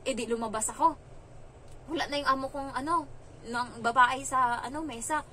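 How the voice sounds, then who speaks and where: Bright-voiced woman telling a story. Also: moderate pace, a little hiss or hum, poor audio. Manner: animated retelling, raising her pitch for quoted lines. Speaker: vlogger; domestic helper telling about her employers. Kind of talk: casual storytelling vlog.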